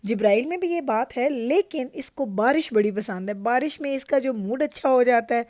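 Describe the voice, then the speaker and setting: A woman's voice: a little high, moderate pace, darkish tone, no room sound, studio quality. A middle-aged woman with a Pakistani Urdu accent, chatting through a home vlog and telling stories with frequent laughter. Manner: chatty and storytelling, laughs often. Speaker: vlogger. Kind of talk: casual vlog narration. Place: home in Canada.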